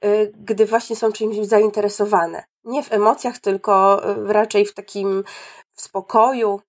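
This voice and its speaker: A woman who works at a preschool, telling a story in a relaxed discussion with many fillers and restarts. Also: mid-range voice, unhurried. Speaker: preschool teacher. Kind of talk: casual discussion.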